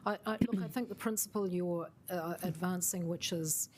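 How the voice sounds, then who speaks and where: A woman officer answering councillors' questions in a measured, thoughtful way, with fillers. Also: fairly low pitch, darkish tone, slight background noise.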